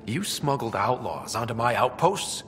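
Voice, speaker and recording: A man playing a level-headed space explorer and squad leader in a video game, calm and measured. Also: mid-range voice, faint music behind. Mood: wary. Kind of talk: video game cutscene acting.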